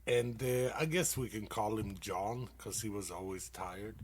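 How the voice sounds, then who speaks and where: A man from Sweden, hosting a dad-joke comedy show and laughing loudly at his own punchlines. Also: lowish voice, a little slow, slight background noise. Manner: casual, calls listeners dude. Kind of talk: dad-joke stand-up on internet radio.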